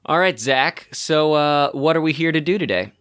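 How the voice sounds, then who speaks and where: A man's voice: a little high, lively intonation, normal speed, a bit bright, clean tone, dry recording, clean studio sound. A man co-hosting a podcast in casual chat, bantering and self-deprecating. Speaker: podcast co-host.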